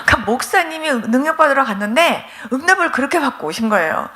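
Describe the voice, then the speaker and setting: A woman pastor giving a testimony sermon, telling her story in a lively way and acting out the dialogues. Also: high-pitched, fast talker.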